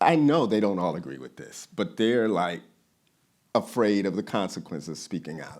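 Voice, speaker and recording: A man's fairly low voice with vocal fry at a moderate pace, with very wide pitch swings and big swings in loudness, on a very clean recording with a silent background. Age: 60s. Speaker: history professor. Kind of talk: lecture Q&A. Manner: conversational, frequent fillers.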